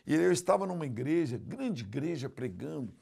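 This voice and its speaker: An older pastor from Brazil preaching a sermon, telling stories with acted quotes and swinging between loud outbursts and hushed asides. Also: male voice, a little high, big pitch swings, normal speed, vocal fry, breathy edge.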